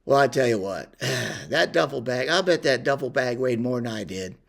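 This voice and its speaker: An older man telling a personal story in a rambling, unhurried way with many pauses and fillers. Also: medium pitch, lively intonation, vocal fry. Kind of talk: casual spoken reminiscence.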